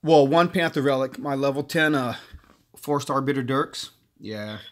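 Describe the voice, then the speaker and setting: A man's voice: medium pitch, unhurried. A man hosting a gaming livestream, chatting casually and thinking aloud, with many filler words. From partly Korean heritage. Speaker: livestream host.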